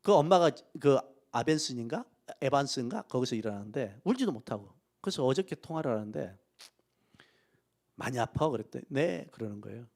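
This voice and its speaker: A middle-aged man preaching a sermon in a church, telling a personal story and swinging between soft, hushed asides and loud, emphatic peaks. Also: mid-range voice, sing-song, fast, creaky, hardly any pauses. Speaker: pastor. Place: church sanctuary.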